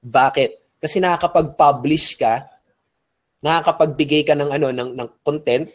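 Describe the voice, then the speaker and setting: A man's voice: on the high side, normal speed. A man from the Philippines giving a webinar lecture on online business, full of energy and often checking in with rhetorical questions, switching between Tagalog and English.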